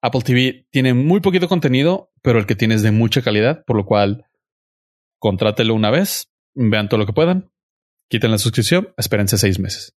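A man's voice: mid-range voice, animated, normal speed, no room sound. A young Mexican man talks over a podcast mic in a slangy, opinionated way. His voice sits in a middle range and the sound is dry and close. He gives his views firmly and holds his ground. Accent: Mexican Spanish. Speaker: podcast host. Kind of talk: casual chat reviewing a series.

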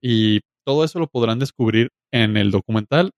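A man's voice: medium pitch, moderate pace, dry recording, clean studio sound. A man from Mexico with a Mexican Spanish accent, chatting casually as a podcast host in slangy, joking language. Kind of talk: casual chat.

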